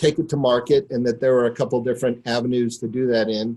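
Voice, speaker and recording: This man has an American accent and a medium pitch. His tone is dark and mellow. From US Northeast, near New York City. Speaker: company founder's son telling the founding story. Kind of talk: storytelling on a conference call. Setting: conference call. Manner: frequent fillers (uh, um).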